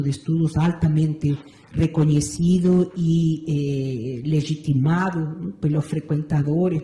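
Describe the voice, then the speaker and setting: Interview guest: Argentine woman in her sixties, Spanish-accented, mellow and unhurried, in a roomy space. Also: deep voice, a little hiss or hum. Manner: measured, thoughtful, frequent "não é certo" tag. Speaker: interview guest, meditation teacher. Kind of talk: reflective interview answers. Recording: roomy echo.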